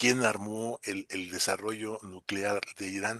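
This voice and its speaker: A man with a fairly low pitch and a bright, sharp tone is recorded against a quiet background with a dry, close sound and no echo. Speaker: political commentator on a panel. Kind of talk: panel discussion.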